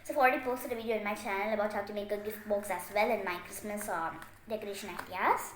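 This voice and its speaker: A woman's voice: medium pitch, steady tone, fast. A woman hosting a craft tutorial, giving step-by-step instructions in a chatty, repetitive teaching manner. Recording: echoey room, faint noise, clicks.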